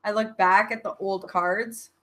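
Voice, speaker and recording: A woman's voice: medium pitch, fairly even intonation, measured pace, fairly bright tone, slight background noise. Woman, podcast co-host, casual chat, filler-heavy. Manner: chatty, lots of "like".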